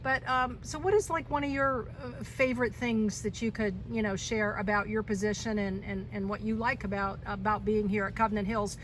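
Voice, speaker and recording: A woman's voice: medium pitch, fairly even intonation, moderate pace, hardly any pauses, a little hiss or hum, low-quality recording. A chatty woman hosting a casual campground interview, given to exclaiming as she asks questions. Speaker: vlogger interviewer. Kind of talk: casual on-camera interview chat.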